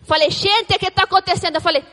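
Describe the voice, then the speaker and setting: Rich: A high-pitched, chatty mother, played by a woman in a stage sketch, who retells everything with dramatic quoted asides. Her voice rings with a long reverb, as from a large hall. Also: steady tone, fast talker, a bit bright. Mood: excited. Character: excitable chatty mother, adult woman, storyteller. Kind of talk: comic church sketch acting.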